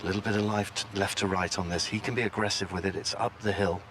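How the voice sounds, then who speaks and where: A man's voice: on the low side, steady tone, quick pace, fairly bright tone. A man giving live golf commentary, describing play as it unfolds in short, descriptive phrases. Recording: faint background noise and hum.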